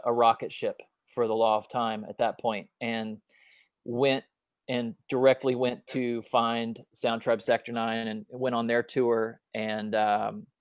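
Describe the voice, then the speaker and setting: Halting man telling a personal story. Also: medium pitch, clear, resonant tone, dry recording, studio quality. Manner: halting, many fillers and restarts. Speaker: guest speaker. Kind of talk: personal storytelling at an online talk.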